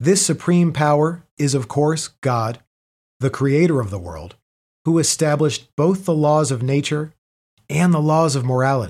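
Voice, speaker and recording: At a moderate pace, a man with a fairly high pitch speaks with ordinary pitch variation on a very clean recording with a silent background. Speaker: reader of another person's essay. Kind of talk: reading aloud. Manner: clear.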